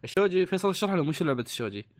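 A fast-talking man, his voice a little high. He co-hosts a relaxed podcast chat. He jokes at his own expense and trails off whenever he is unsure. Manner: joking, self-deprecating, trails off when unsure. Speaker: podcast co-host. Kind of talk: casual chat.

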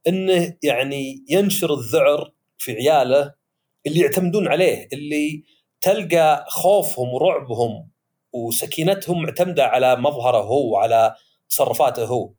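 A man chatting as podcast host, animated and acting out the voices he quotes. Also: on the high side, normal speed. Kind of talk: casual podcast discussion.

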